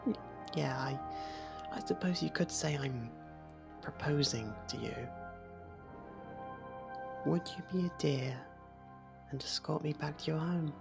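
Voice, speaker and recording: A performer voicing a sly, possessive faerie royal in an ASMR fantasy roleplay, coy and deliberate, drifting toward whispers. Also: mid-range voice, gravelly, music in the background. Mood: smug, possessive.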